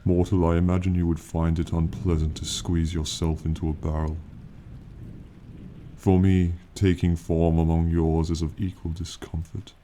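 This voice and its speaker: A man playing an ancient, proud male dragon in a fantasy ASMR roleplay, speaking in slow, solemn, archaic phrases with aloof condescension, as if to a mere mortal. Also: sits low, little pitch movement, dark tone, close to an everyday voice. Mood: lofty, calm. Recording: faint rain noise behind. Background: rainfall ambience.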